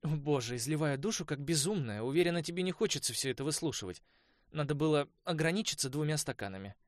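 A man's voice: fairly high pitch, lively intonation, fast talker, dry recording, studio quality, voice pushed up, natural voice. A man voicing a tipsy, chatty young woman student who rambles in a raised voice. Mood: embarrassed.

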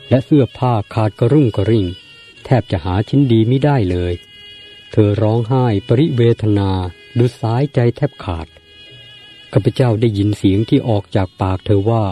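A man reading a novel aloud as an audiobook narrator, in a measured and formal storytelling manner. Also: mid-range voice, mellow.

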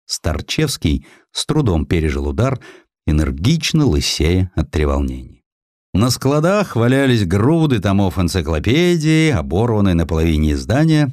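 A man narrating a historical literary sketch in an expressive, theatrical storytelling manner. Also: low voice, moderate pace, dry recording, studio quality. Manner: theatrical, acts out dialogue. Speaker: audiobook narrator.

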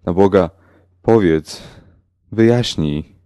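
A man voicing a panicked young man who shrieks in a high, strained, tearful voice. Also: slow pace, mellow, no room sound, studio quality. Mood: tearful pleading.

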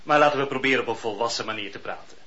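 A man's voice: mid-range voice, rapid-fire, bright, forceful tone, natural voice. An actor playing a pompous, middle-aged chief judge with gout, patronizing his wife in a radio play. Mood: condescending. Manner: smooth, patronizing, groaning in pain. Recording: dull lo-fi radio recording.

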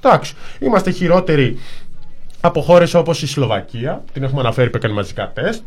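A man's voice: on the high side, animated. A man co-hosting a political talk show, arguing insistently and piling up lists of examples. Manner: insistent, argumentative, piles up lists. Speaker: co-host. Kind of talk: casual political commentary.

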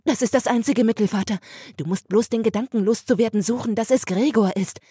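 A woman's voice: a little high, a little fast, dark tone, husky, no echo, studio quality, voice pushed up. A woman voicing a young sister who speaks urgently and tearfully in an audiobook reading, pleading and insistent. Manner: urgent, pleading, rising to cries.

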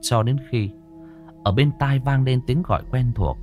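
A man narrating a ghost story in a dramatic, expressive way. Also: medium pitch, unhurried, faint music behind.

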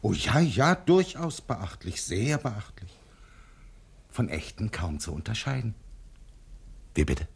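Dry jewel dealer in a radio crime comedy, raspy creaky voice, slow, understated, hesitant. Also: male voice, on the low side, big pitch swings, full character voice. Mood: dryly appraising. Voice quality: gravelly, husky. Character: wary, dry-witted jewel fence. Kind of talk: 1970s German radio crime comedy acting.

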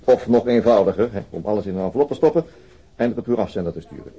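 An actor playing a sober, methodical police detective in a radio drama, with a hesitant, understated way of talking. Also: male voice, fairly low pitch, expressive, fast, mellow, breathy edge. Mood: pensive, weary. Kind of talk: naturalistic radio drama dialogue.

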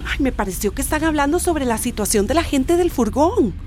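A woman playing an excitable, fed-up village neighbor in a radio drama, speaking in a shrill and emphatic way. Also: a little fast, slight background noise.

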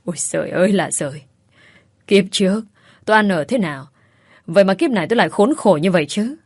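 A woman voicing an angry, scolding old grandmother who rants shrilly and fast. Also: medium pitch, lively intonation, a little mellow, slightly rough, no room sound, studio quality. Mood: wailing.

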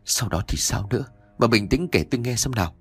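A man doing a low, soothing old husband. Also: lively intonation, a little fast, breathy edge. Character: worried older husband, gentle and steady.

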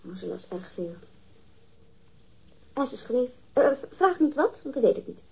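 A woman's voice: on the high side, big pitch swings, moderate pace, gravelly, husky, heavily acted. An actress in a radio drama playing a catty, defensive woman witness, disdainful and emphatic as she gossips. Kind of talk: acted radio drama dialogue. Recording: dull, muffled lo-fi radio recording.

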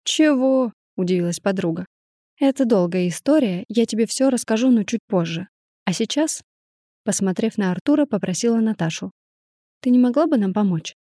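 A woman reads a story in a mellow, warm voice, changing her delivery for each character's lines. The recording is dry and close, with no room sound around her. Her pitch sits in an ordinary middle range. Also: fairly quick, no echo. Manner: expressive reading, shifting voices for each character. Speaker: audiobook narrator. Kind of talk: scripted narration with acted dialogue.

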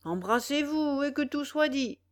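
A woman voicing an elderly farmer father who grumbles in plain, slow words, in a read-aloud novel. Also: sits high, expressive, pitched above the performer's own voice. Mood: soothing. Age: older.

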